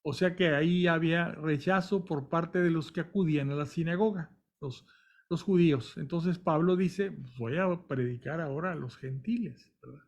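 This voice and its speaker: A man's voice: fairly high pitch, moderate pace. A man reading scripture aloud and stopping now and then to explain it in plain words, with small restarts. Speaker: Bible reader and commentator. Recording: dull lo-fi recording.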